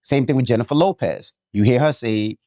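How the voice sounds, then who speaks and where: A man from New York City co-hosting a podcast, reading a listener's email aloud and then giving his take in a joking, animated way. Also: medium pitch, fairly quick, no room sound, clean studio sound. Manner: animated, jokey, repeats himself. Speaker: podcast co-host.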